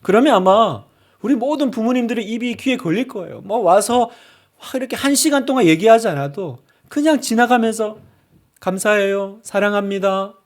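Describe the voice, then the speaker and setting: A man with a fairly high voice preaches to his congregation. His talk stays conversational, and he slips into short, heartfelt sample prayers as he goes. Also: animated, brisk. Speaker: pastor. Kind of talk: sermon.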